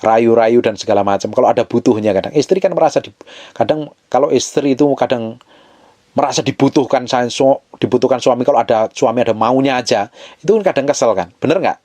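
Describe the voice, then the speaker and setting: A middle-aged man preaching a sermon in a lively, playful way, acting out quotes and asking the crowd questions. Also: medium pitch, fairly quick, dry recording. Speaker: pastor.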